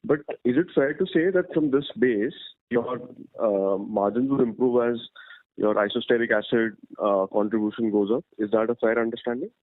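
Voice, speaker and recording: A male analyst with a medium-pitched voice, heard over a dry, narrow phone connection. He puts his questions in a deferential, halting way. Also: dry recording. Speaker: investment analyst asking questions. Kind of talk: unscripted questions on an earnings call. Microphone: telephone.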